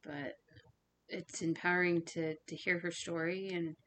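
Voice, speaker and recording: A woman's voice: fairly low pitch, flat delivery, unhurried, a bit bright, a little hiss or hum. A woman co-hosting a podcast, speaking earnestly and encouragingly to listeners. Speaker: podcast co-host. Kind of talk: casual podcast introduction.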